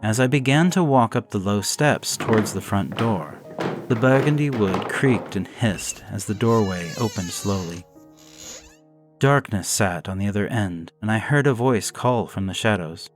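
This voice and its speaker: Man, low-pitched, solemn horror story reader, faint music bed. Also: expressive, measured pace. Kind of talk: scripted first-person narration.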